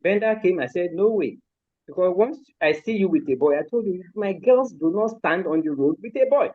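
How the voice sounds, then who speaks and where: This live-interview guest is an older woman from Lagos with a Nigerian accent, a mother and grandmother speaking about how she raised her children. Her fairly low voice carries lively intonation at normal speed, and she is emphatic and firm, repeating points forcefully. The sound is dry and phone-quality.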